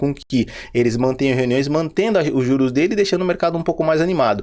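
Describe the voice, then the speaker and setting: A man talks at a very fast pace, his pitch fairly high. His pitch variation is ordinary. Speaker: market commentator, day trading show host. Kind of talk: morning market briefing.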